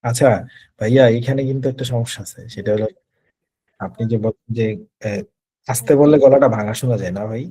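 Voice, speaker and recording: A patient male coach gives advice over a video call. His voice is mellow and slightly husky, and he often repeats his points to make sure they land. He sounds like someone answering questions in a live online class. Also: medium pitch, brisk, long pauses. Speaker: English test coach.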